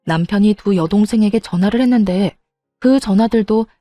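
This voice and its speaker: A woman's voice: mid-range voice, normal speed, warm tone, dry recording, faint music behind. A woman narrating a personal story in a bitter, matter-of-fact way.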